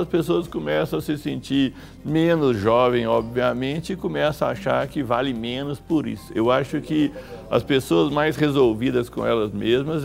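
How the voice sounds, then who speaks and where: A man, a psychologist guest calmly explaining on a talk show. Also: medium pitch, vocal fry. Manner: thoughtful, measured explanations. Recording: faint music behind.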